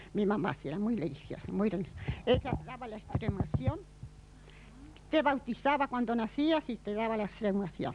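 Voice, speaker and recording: A woman talks at a moderate pace with very wide pitch swings. Noticeable background noise can be heard. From Argentina, Sierras Bayas (Buenos Aires province). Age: 80s+. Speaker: elderly local resident. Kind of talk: testimony.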